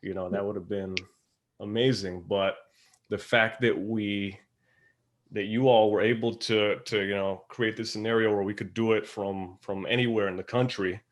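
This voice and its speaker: A man speaking as a guest actor in a casual panel chat, informal and halting, thinking aloud as he goes. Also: on the low side, fairly even intonation.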